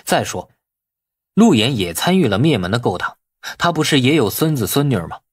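A man's voice: medium pitch, very animated, fairly quick, slightly rough, dry recording, clean studio sound. A man voicing a wily, outwardly deferential nephew in an audiobook, glib and colloquial in his arguing. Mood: indignant muttering. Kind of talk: audiobook character acting.

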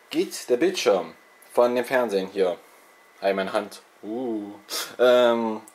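A man's voice: medium pitch, a little mellow. A young man hosting a gaming channel, chatting loosely and self-mockingly with lots of fillers, a little congested from a cold, recorded on a handheld camera in his bedroom. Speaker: let's play channel host. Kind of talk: casual rambling info vlog. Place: bedroom with TV and consoles, indoors. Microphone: handheld video camera's built-in mic.

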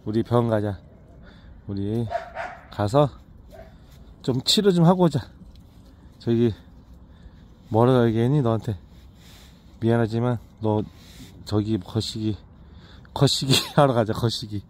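A man's voice: medium pitch, unhurried, pauses often, a little mellow. A man talking casually to rescued dogs in a rural yard. He baby-talks to the puppies and laughs often. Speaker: vlogger caring for rescued dogs. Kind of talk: casual vlog talk to dogs and viewers. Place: rural yard with dog kennels.

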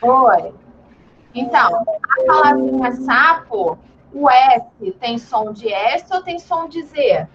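A woman's voice: high-pitched, expressive, a bit bright, slight background noise. A woman teaching an online class to young children, patient and encouraging, with lo-fi video call audio. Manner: patient, slow and encouraging, calls herself "tia". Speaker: primary school teacher.

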